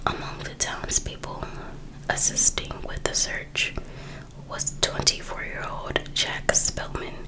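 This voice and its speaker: Whispering woman reading slowly. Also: low-quality recording. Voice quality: soft unvoiced whisper. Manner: hushed, unhurried storytelling. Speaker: ASMR host reading a true crime book.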